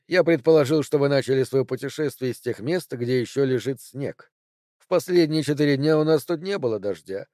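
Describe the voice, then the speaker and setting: Brief: self-assured detective, crisp and precise, mellow tone, dry close sound, as a male narrator puts him on. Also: medium pitch, dry recording, close to an everyday voice. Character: sharp, confident male detective Holmes. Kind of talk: audiobook character voice.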